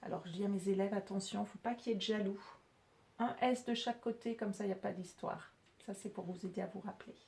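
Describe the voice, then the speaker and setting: Speaking at a medium pitch with a steady, warm tone, a female teacher explains French spelling and syllables to her pupils. The lesson is aimed at children, and she takes it slowly, patiently, and articulates every word clearly.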